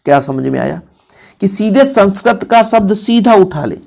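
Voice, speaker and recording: A man's voice: sits high, expressive, moderate pace, vocal fry, darkish tone. A man teaching an exam-prep grammar lesson, stressing his points and often checking in with the students. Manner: emphatic, repeats examples and keeps checking in with the students. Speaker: Hindi teacher.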